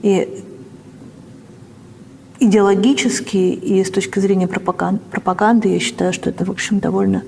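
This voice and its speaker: A woman's voice: medium pitch, fairly even intonation, normal speed, vocal fry, pauses often, a little mellow, long reverb tail, slight background noise, low-quality recording. A woman interview host asking pointed, probing questions.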